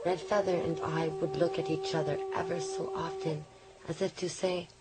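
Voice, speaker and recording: A woman playing a young Native American girl who narrates her journal with earnest, hushed suspense and wonder. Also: on the low side, big pitch swings, moderate pace, low-quality recording. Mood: reflective. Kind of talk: dramatic first-person journal narration. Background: loud music.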